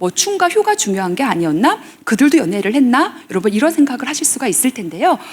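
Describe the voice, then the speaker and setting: A woman's pitch swings very widely as she talks against noticeable background noise. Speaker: literature professor. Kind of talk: public lecture. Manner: fast.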